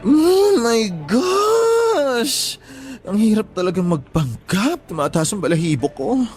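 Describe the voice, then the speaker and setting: A man's voice: high-pitched, sing-song, takes it slowly, faint music behind, heavily acted. A man with a Filipino accent playing a campy, sassy young gay man in an audio drama, talking in theatrical casual slang. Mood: campy, guarded. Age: young adult.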